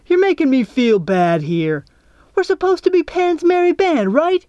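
A woman's voice: sits high, very animated, unhurried, warm tone, no echo, dull audio, voice pushed up. A woman voicing a blunt, scoffing tough young girl in an audiobook. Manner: jeering, blunt. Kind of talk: audiobook character voice.

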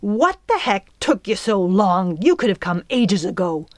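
An impulsive young girl in a storybook, as a woman narrator plays her. She speaks earnestly and haltingly, eager but unsure. The recording is close and dry. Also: fairly high pitch, big pitch swings, no room sound, pitched above the performer's own voice. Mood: angry. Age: child.

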